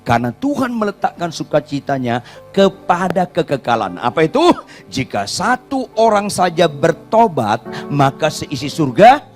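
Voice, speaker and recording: Give me an animated male preacher delivering an emphatic sermon, with a fairly high, lively voice. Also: normal speed, faint music behind. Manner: animated, emphatic storytelling, repeats points for emphasis. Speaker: pastor.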